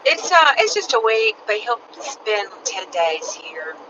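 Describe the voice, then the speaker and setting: A woman's voice: mid-range voice, very animated, a little slow. A middle-aged woman chatting casually while driving in a car. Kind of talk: casual chat. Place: inside a moving car. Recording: distant, muffled, loud car road noise. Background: car and road noise.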